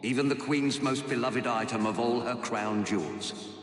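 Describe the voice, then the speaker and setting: An actor playing a boastful master thief in a video game cutscene, speaking in a theatrical, self-satisfied way. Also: male voice, medium pitch, normal speed, natural voice. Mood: gloating. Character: boastful male master thief, gloating villain. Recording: reverberant hall with game music.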